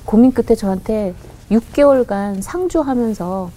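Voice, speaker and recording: Woman, radio interview guest, earnest, halting restarts, warm mellow tone. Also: fairly high pitch, poor audio. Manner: acts out quoted voices in her story. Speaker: guest, company head. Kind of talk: personal storytelling in a radio interview.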